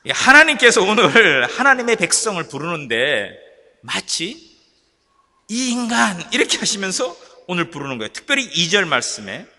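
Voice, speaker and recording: A man's voice: high-pitched, moderate pace. A male pastor preaching a sermon and telling stories that he jokes about with the congregation. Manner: animated storytelling preacher, joking with the congregation. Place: church sanctuary. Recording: echoey church hall.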